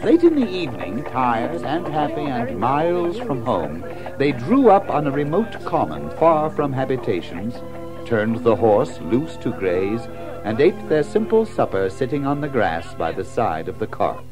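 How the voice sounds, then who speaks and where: A man narrating a children's story in an expressive, measured storytelling manner. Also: mid-range voice, over music, rough recording. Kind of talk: scripted storybook narration in an audio drama.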